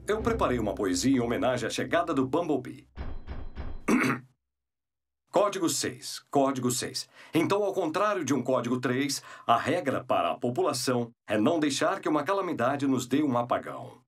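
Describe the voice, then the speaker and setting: An actor playing a formal, earnest, rule-loving robot police officer in a cartoon dub. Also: male voice, mid-range voice, big pitch swings, normal speed, slightly rough. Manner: stiff, earnest, precise. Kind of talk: animated series dub acting. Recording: distant, music underneath.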